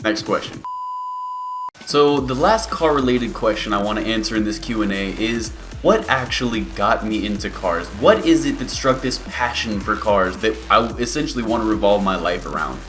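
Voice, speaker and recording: A man of about twenty, a YouTuber answering viewer questions in a relaxed, rambling way with many fillers. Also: on the low side, normal speed, soft background music. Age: 20s. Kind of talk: casual Q&A vlog.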